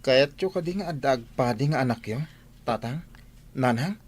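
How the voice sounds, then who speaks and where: Hesitant, troubled young son. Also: male voice, medium pitch, animated, normal speed, breathy edge. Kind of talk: Ilocano radio drama acting.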